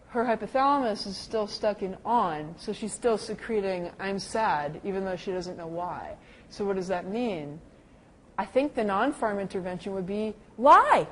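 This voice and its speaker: A middle-aged woman teaching a lecture to caregivers on dementia care, talking lively and acting out the people she quotes. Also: low-quality recording. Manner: lively, acts out quoted people with big pitch jumps.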